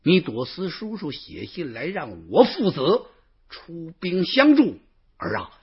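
Gruff, fussy old chieftain father, played by a male storyteller, husky and grumbling, dull lo-fi sound. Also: huge pitch swings, measured pace, full character voice. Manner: grumbling, low and scolding. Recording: dull lo-fi recording.

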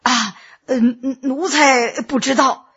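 Woman storyteller doing an old servant, all smiles and careful, kinda bright. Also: extremely high pitch, lively intonation, unhurried, husky, highs cut off, exaggerated voice. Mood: fawning. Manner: fawning, cautious. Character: obsequious old male gatekeeper servant.

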